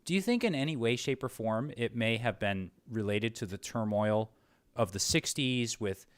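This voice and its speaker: A man's voice: mid-range voice, normal speed, dry recording. Middle-aged man, dry close sound. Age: late 40s. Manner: rambling, frequent "like" asides. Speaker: interviewer, host. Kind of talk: casual conversational interview.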